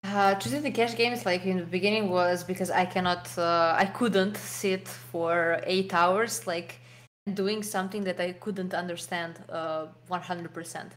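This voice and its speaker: A woman's voice: lowish voice, steady tone, unhurried, a little hiss or hum. A young woman with a Serbian accent, a poker pro answering interview questions over a video call, with many fillers and restarts. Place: home room, video call. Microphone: desk mic, webcam framing.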